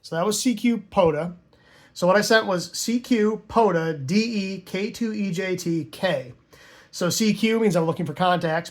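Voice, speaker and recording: A man giving an informal tutorial in a conversational way, often checking that the listener follows. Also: high voice. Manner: conversational, checks understanding with tags like "right?" and "okay?". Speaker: amateur radio hobbyist teaching Morse code.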